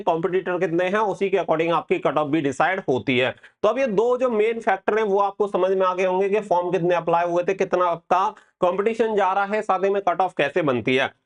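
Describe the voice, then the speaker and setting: A man hosting an exam-prep update, explaining things to students step by step and repeating key points. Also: high-pitched. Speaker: exam-prep channel host.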